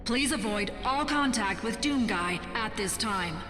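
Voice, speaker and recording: A calm, official apocalypse announcer with a slightly high voice. She reads a measured game emergency broadcast in formal, cautionary tones, trailing long reverb over music. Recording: echoing public-address broadcast with long reverb.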